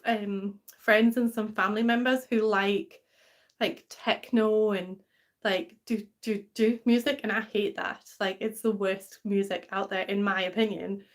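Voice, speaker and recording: A young woman from England with a mixed English and Scottish accent, hosting a casual live stream and chatting with viewers in a rambling way, full of fillers. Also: a little high. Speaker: livestream host. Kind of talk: casual live stream chat reading comments.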